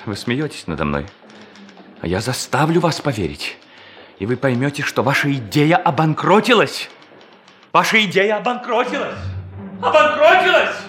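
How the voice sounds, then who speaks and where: A man's voice: on the high side, sing-song, normal speed, bright, forceful tone, a little hiss or hum. An actor playing a tormented, obsessive man confessing to theft, frantically repeating his words in a theatrical audio drama. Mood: defiant, furious.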